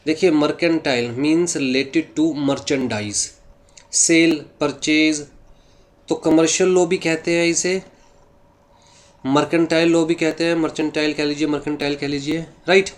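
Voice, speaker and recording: A man with a fairly high voice teaches a law lesson, reading English passages slowly in an Indian English accent. He then explains each point in a mix of Hindi and English, asking questions and answering them himself. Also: steady tone. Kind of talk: classroom lecture.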